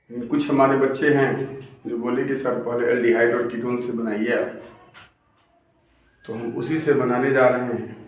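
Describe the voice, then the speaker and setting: A man teaching chemistry as a classroom lecture, repeating key terms slowly and stretching them for emphasis. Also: medium pitch. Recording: very echoey room, voice from a distance.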